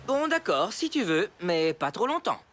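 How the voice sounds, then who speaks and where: A man's voice: sits high, sing-song, normal speed. A man voicing a good-natured, playfully theatrical young father in a children's cartoon. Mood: agreeable. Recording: music behind the voice.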